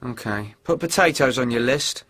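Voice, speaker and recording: A man's voice: medium pitch, moderate pace, fairly bright tone. A man in a scripted textbook dialogue, talking in a hesitant, chatty way.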